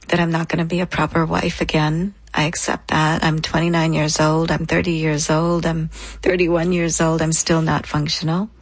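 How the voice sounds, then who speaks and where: A woman's voice: deep voice, husky, no echo. A woman in her thirties, a guest in an interview, telling a personal story in an earnest, reflective way, in short phrases.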